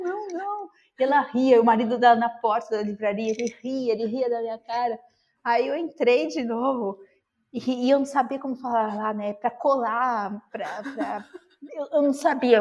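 A woman from Brazil telling a lively anecdote in casual chat, acting out the dialogue. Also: fairly high pitch, highs cut off. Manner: animated, acts out the dialogue. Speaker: storyteller.

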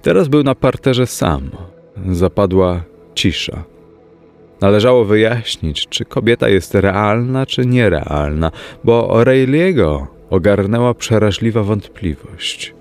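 A man narrates a story in a slow, measured audiobook delivery. His voice sits fairly low, and he lets it sink to a hush now and then. Faint music plays underneath. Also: lively intonation.

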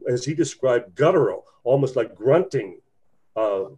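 A man's voice: mid-range voice, expressive, a little slow, darkish tone, breathy edge. A man hosting a podcast, politely jumping in to add his own explanation in a casual chat. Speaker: podcast host.

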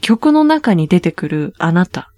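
A woman's voice: very animated, measured pace, dark tone, no echo, clean studio sound. Woman explaining Korean pronunciation. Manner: explains patiently, often rising pitch on key words. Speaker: Korean language teacher host. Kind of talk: casual language lesson chat.

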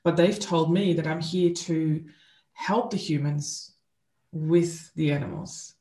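A woman from the Netherlands, a spiritual coach telling her story as an interview guest in an earnest, unhurried way. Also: deep voice, steady tone, dark tone, echoey room. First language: Dutch.

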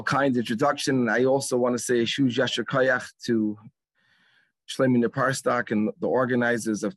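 A man from England with an English accent, speaking at a religious gathering and telling a story with dramatic pauses. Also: medium pitch, no room sound. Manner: animated storyteller, acts out lines with dramatic pauses.

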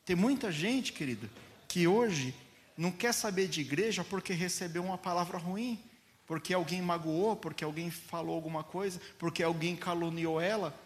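Gentle slow-speaking pastor preaching. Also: male voice, high voice. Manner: slow, gentle delivery addressing listeners as "queridos". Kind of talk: sermon.

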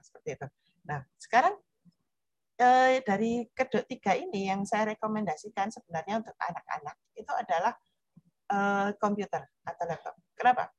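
A woman's voice: mid-range voice, no room sound. Chatty woman explaining, dry close sound. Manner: chatty, repeats "ya kan?" and "nah", acts out children's voices. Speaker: presenter on VR for parents. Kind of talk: informal explanatory talk to parents.

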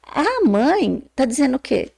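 A Brazilian woman psychologist talks as a podcast guest, her fairly high voice swooping up and down as she explains. There is a gravelly fry under her words, and she keeps checking in with her listeners with short questioning tags. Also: a little slow. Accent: Brazilian Portuguese. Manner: animated, acts out quoted voices, many "né?" tags.

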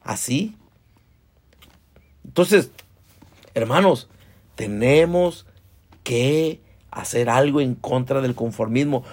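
A man's voice: mid-range voice, slow, pauses often, darkish tone. A male pastor preaching a sermon conversationally, often calling the congregation brothers and asking them questions.

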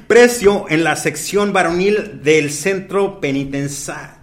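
A man's voice: a little high, slow. A man with a Mexican accent hosting a podcast in casual chat, full of crude slang and swearing fillers. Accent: Mexican Spanish. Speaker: podcast host.

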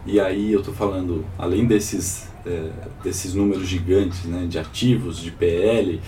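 A Brazilian man gives informal live market commentary in a low, dark voice. He sounds stuffed up and sore-throated, like someone with swollen tonsils and a cold. He is picked up from a little way off the mic. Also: fairly even intonation, measured pace. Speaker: host of a live financial morning call. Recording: distant mic with faint background noise.

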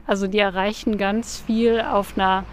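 A woman's voice: mid-range voice, little pitch movement, normal speed, slight background noise. A woman guest speaker explaining in an interview in a thoughtful, careful way.

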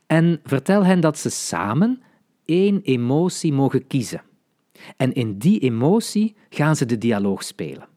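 A man's voice: mid-range voice, big pitch swings, unhurried, mellow. Man explaining teaching methods. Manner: explanatory, with many fillers and tag questions. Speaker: language teacher trainer. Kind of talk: podcast lesson.

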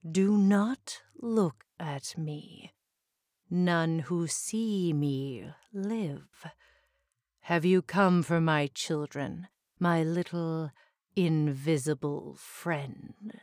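A woman voicing a cursed female gorgon with snakes for hair, speaking soft, low and menacing. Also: takes it slowly, no echo, clean studio sound.

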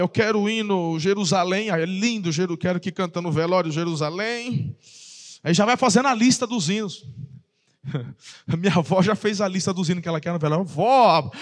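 A man preaching a sermon, lively and jokey, acting out little asides and laughing. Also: high voice, big-room sound. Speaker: pastor.

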